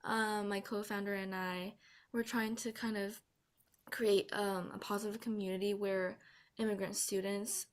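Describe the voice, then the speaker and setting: A teenage girl co-founder introducing her group, soft-spoken and hesitant with fillers. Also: medium pitch, level tone, a little slow. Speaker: student co-founder. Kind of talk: casual introduction. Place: home, early morning.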